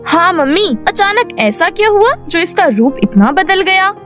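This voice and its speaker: A woman's voice: very high voice, sing-song, unhurried, a bit bright, soft background music, full character voice. Woman voicing a spoiled mocking rich girl. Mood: jealous. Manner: mocking, bossy.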